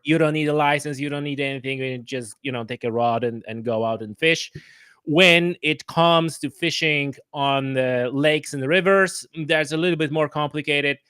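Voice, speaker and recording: A man from Poland with a Polish accent, explaining things haltingly as a guest in a casual interview. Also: on the high side, bright, forceful tone, clear, resonant tone, no room sound. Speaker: podcast guest.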